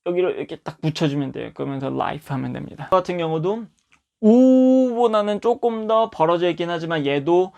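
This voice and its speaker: A man teaching English pronunciation, explaining tongue positions and repeating example words slowly to demonstrate. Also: high voice, lively intonation, gravelly, darkish tone.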